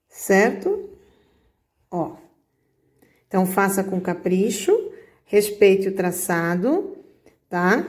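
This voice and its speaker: A woman's voice: mid-range voice, dark tone. A woman teacher giving a patient handwriting lesson, coaxing her pupils along with frequent little check-ins.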